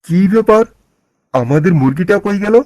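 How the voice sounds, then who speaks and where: A man's voice: high-pitched, animated, normal speed, a little mellow, no room sound. A man voicing a mild village farmer and father in a children's cartoon, with a puzzled, questioning manner. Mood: worried, puzzled. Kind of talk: children's moral cartoon voice acting.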